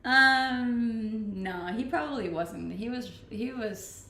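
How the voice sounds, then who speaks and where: A woman's voice: a little high, slow pace, pushed and bright, roomy sound. A woman from Denmark with a Danish accent, chatting casually on a live stream as she reads out viewer comments and answers them, laughing often. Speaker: Twitch streamer.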